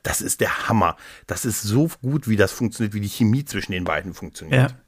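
A man with a fairly low voice talks casually as a podcast co-host. He is effusive and enthusiastic, often restarting and repeating words. The sound is dry, with hardly any room. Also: animated, brisk, breathy edge, no room sound. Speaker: podcast co-host discussing audio dramas.

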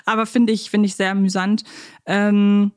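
A woman talks as a podcast co-host. Her voice sits at a middle pitch for a woman, and she chats casually, wandering through long asides as fans do. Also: level tone, moderate pace, darkish tone, clear, resonant tone. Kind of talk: casual fan podcast discussion.

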